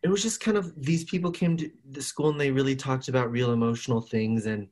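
A man's voice: medium pitch, fast, a little mellow. A young man co-hosting a podcast, chatting openly about feelings and breaking into laughter often. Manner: candid, emotional, laughs easily. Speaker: podcast co-host. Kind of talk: casual chat.

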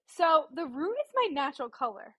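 Bubbly young woman, slightly high voice. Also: very animated, moderate pace, fairly bright tone, no room sound. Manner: bubbly, giggly. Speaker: podcast guest, singer. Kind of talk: casual chat.

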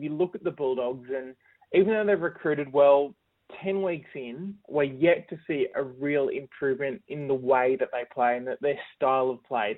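A man's voice: mid-range voice, no room sound. Man on a tinny phone line. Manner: thoughtful, measured analysis. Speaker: sports journalist guest. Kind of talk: radio phone interview.

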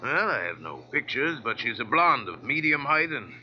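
An actor playing a huge, worried, demanding business executive, blustering in 1940s radio drama style. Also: male voice, medium pitch, sing-song, moderate pace, lightly acted. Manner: imperious, blustering. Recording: old muffled radio recording.

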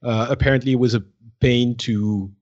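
A man's voice: mid-range voice, steady tone, normal speed, a little mellow. Male gaming co-host, average register, casual hesitant chat, somewhat dull audio. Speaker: podcast co-host. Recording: slightly dull, lo-fi voice track.

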